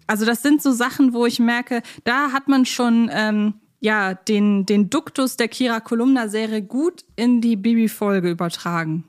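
A woman's voice: on the high side, moderate pace, hardly any pauses. A woman co-hosting a casual podcast chat, thoughtful and groping for words through long, winding sentences. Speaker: podcast co-host. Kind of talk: casual chat reviewing children's audio dramas.

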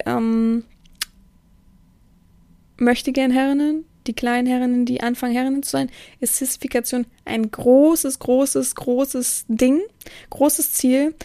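Strict, outspoken woman host with a fairly high voice, rambling chat, dry sound. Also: creaky, darkish tone, no room sound. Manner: rambling, restarts sentences, exclaims "oh". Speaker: podcast host. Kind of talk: casual podcast monologue.

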